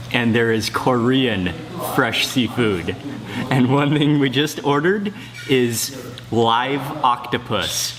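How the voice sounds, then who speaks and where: A man narrating a travel and food vlog in a casual, upbeat way, talking straight to the camera. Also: medium pitch. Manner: upbeat, descriptive, talks to the camera. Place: outdoors and in public places while traveling.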